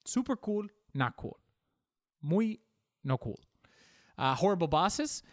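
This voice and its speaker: A man's voice: high-pitched, sing-song, slow pace, no echo. Rambling sarcastic man, dry sound. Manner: rambling, sarcastic, many restarts. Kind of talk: comedic monologue.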